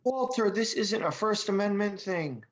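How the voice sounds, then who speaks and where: A woman's voice: mid-range voice, lively intonation, moderate pace, lightly acted. A woman playing a laid-back, bewildered male slacker in a table read, drawling and laconic. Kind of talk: amateur virtual table read.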